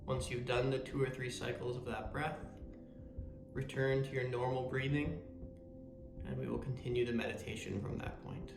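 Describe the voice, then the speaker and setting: A man guides a meditation with a soothing, measured delivery. His mid-pitched voice stays very even and carries a gravelly creak. There is a noticeable roomy echo around him as he speaks. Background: meditation music.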